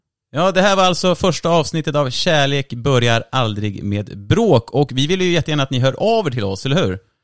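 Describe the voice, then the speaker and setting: Very wide pitch swings and big swings in loudness at a moderate pace, in a very clean recording with a silent background and a dry, close sound with no echo. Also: man, fairly high pitch for a man. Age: 30s. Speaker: comedian. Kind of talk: casual chat. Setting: at home.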